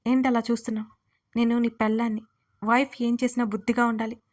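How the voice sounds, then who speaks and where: Woman reading a sulky sharp-tongued young wife. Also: on the high side, little pitch movement, fast, close to an everyday voice. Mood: bossy. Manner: sulky and reproachful.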